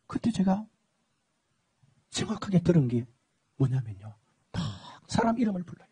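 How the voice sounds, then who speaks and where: A man preaching a dramatic testimony, swinging between shouting and hushed speech. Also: sits high, very animated, normal speed, slightly rough. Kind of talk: emotional sermon testimony.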